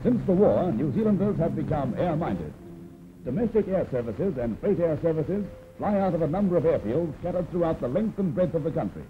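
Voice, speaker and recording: A man's voice: a little high, big pitch swings, a little fast, background noise. A man giving formal, announcing narration for an old newsreel, heard from its original soundtrack. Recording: tinny old newsreel audio with music.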